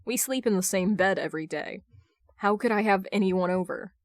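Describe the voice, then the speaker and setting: A woman voicing a gloomy, condescending, stoic man with terse deadpan delivery in audiobook dialogue. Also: mid-range voice, normal speed, dry recording, studio quality, lightly acted. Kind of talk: fan fiction audiobook dialogue.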